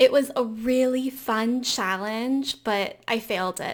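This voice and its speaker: A woman's high-pitched, upbeat voice with an American accent, in a very clean recording against a silent background. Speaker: English teacher. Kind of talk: gaming commentary with English lessons.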